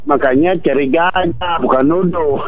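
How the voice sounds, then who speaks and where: A man's voice: fairly high pitch, moderate pace. A man calling in to a radio show over a phone line that keeps breaking up and cutting out, chatting casually. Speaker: radio call-in caller. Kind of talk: casual chat on air. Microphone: telephone.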